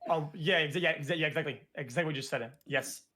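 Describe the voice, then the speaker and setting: A young man streamer argues in quick, excitable bursts that ramble and swear. His voice sits high and bright. He talks at a fast clip. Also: a little hiss or hum. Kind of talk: casual heated debate.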